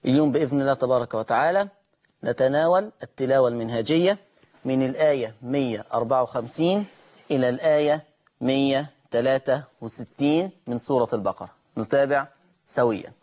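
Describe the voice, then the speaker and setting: A man hosting a Quran recitation lesson, chanting verse slowly and melodically, then explaining rules at a brisk conversational pace. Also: mid-range voice, a little mellow. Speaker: Quran recitation teacher and host.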